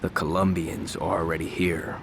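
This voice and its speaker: An actor playing a hot-tempered gang lieutenant with a Hispanic accent, clipped and volatile, in a crime game. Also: male voice, sits low, level tone, moderate pace, background noise. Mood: subdued. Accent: Hispanic American.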